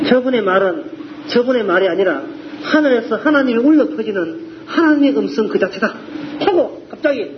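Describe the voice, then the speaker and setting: A man's voice: extremely high pitch, muffled recording, noisy background. A man with a Gyeongsang accent preaching a sermon, acting out the voices of the people in his examples. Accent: Gyeongsang Korean. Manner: animated, acts out voices of scoffers and soldiers. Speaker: pastor.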